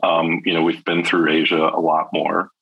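A man's voice: sits low, completely flat delivery, normal speed, creaky, breathy edge, no room sound, dull audio. A young man from China, a guest in an interview, talking candidly and hesitantly with many restarts and fillers.

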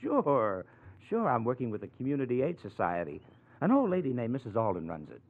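An American actor playing a smooth-talking, scheming young crook in 1940s radio style, glib and ingratiating. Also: male voice, medium pitch, big pitch swings, a little fast. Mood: glib, coaxing. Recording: tinny old radio recording.

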